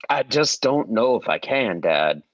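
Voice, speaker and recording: A man acting an earnest, troubled teenage son who speaks haltingly and deferentially in a drama table read. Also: medium pitch, sing-song, a bit bright, dry recording, highs cut off. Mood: pleading, dejected. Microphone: video call microphone.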